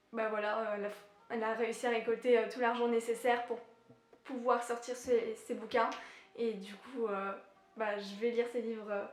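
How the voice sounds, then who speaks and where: A woman's voice: fairly high pitch, darkish tone. A young woman vlogging casually about upcoming books, hesitant, with many fillers and restarts. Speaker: book vlogger. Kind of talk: casual book chat. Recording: echoey room.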